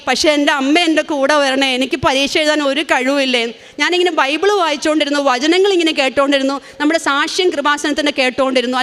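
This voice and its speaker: A woman's voice: sits high, fairly bright tone. A woman in her forties with a Kerala Malayalam accent, giving an earnest, emotional religious testimony. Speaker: testimony speaker.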